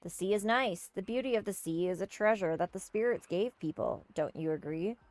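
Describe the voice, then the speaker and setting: A woman streaming a game and reading its dialogue aloud, slipping playfully into goofy high voices for the characters. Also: fairly quick, darkish tone, dry recording. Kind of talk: casual let's-play with read-aloud character voices.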